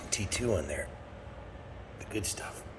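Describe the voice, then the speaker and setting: A man in a relaxed, enthusiastic tone at a moderate pace, over noticeable background noise. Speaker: motorcycle dealer. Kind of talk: casual workshop narration to camera.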